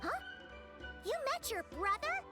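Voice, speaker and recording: A woman voicing a small, excitable, childlike fairy companion in a video game, chirpy and expressive, speaking of herself by name. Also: very high voice, a little slow, over loud music, full character voice. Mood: surprised, indignant. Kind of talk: video game character acting.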